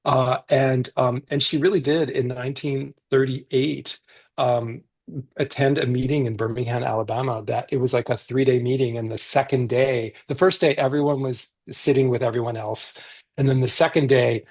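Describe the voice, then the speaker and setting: A man speaks about his picture book in a relaxed panel conversation. His voice is slightly husky, and he talks with eager, animated enthusiasm, often restarting his sentences. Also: mid-range voice, normal speed.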